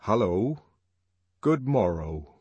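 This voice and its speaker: A man voicing an intense, proud young man who declaims slowly with a voice trembling with emotion. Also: fairly low pitch, big pitch swings, darkish tone, breathy edge, dry recording, dull audio, full character voice. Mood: eager.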